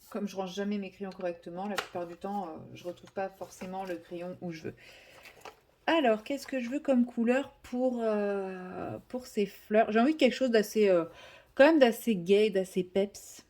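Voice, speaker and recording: A woman's voice: mid-range voice, moderate pace, darkish tone, a little hiss or hum. A woman chatting casually to viewers while she colours, rambling and correcting herself as she goes. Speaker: vlogger.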